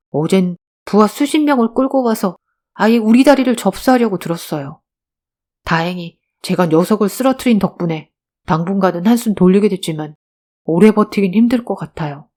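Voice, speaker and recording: A woman's voice: medium pitch, mellow, natural voice. A woman voicing a bold, scrappy twelve-year-old beggar boy who talks earnestly and pleads in an audiobook drama.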